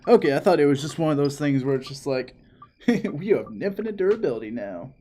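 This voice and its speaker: A young man co-hosting a game playthrough, talking casually and haltingly, filling gaps with "like" and "um.". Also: a little high, lively intonation, warm tone, slight background noise. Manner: halting, hedging, lots of "like" and "dude". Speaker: co-host. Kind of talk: casual gameplay chat. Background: faint game music.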